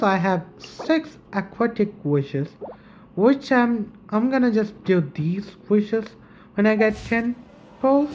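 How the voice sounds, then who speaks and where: A woman streamer giving casual gameplay commentary, halting as she thinks aloud. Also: medium pitch, highs cut off. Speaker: gaming streamer. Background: faint game music.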